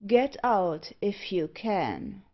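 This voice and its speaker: A woman voicing a commanding, menacing male villain who speaks in a slow, imperious way. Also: mid-range voice, very animated, exaggerated voice. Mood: stern, menacing. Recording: dull, lo-fi audio.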